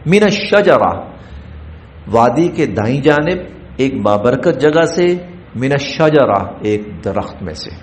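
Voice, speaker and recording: A man's voice: mid-range voice, expressive, a little mellow. A man from Pakistan teaching a Quran translation and commentary lesson, chanting Arabic phrases and explaining each in Urdu, recorded in a mosque. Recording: echoey mosque room, faint background noise.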